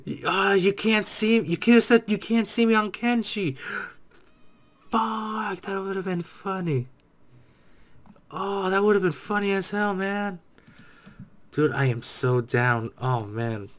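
Excitable young man with a bright, high voice. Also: takes it slowly. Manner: repeats himself, excitable, swears freely. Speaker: gaming reaction streamer. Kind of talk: casual reaction commentary. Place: small dim room at home.

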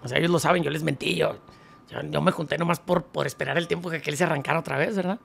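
Gravelly man telling stories. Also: fairly high pitch, fast talker, slight background noise. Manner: animated anecdote-telling, slangy, acting out others' lines. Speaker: interview guest, band founder and accordionist. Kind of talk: casual storytelling interview.

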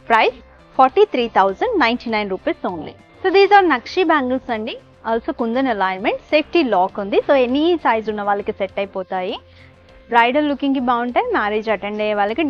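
A young woman presenting for a jewellery store gives a cheerful sales pitch in a jewellery showroom, mixing Telugu with English as she showcases products. Her voice is high and bright. The voice track sounds dull and lo-fi, with faint soft music behind her.

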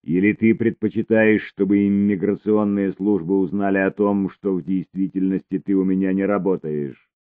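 A domineering, hot-tempered man snaps commands, loud and raised, as a male narrator puts him on. It comes through thin and phone-like, with no room around it. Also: low voice, fairly even intonation, normal speed, dry recording, pitched above the performer's own voice, lightly acted. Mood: angry. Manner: barking, commanding. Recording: tinny phone-like recording.

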